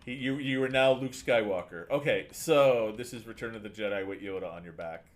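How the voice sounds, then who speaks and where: A man acting as game master, narrating a tabletop game casually and excitably, punching out sound effects. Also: mid-range voice, fairly quick.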